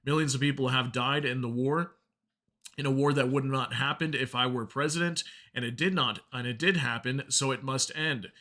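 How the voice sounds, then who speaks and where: A man's voice: medium pitch, normal speed, pushed and bright. A man hosting an informal news commentary, explaining reports and reading out statements in a conversational way. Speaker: news commentary channel host.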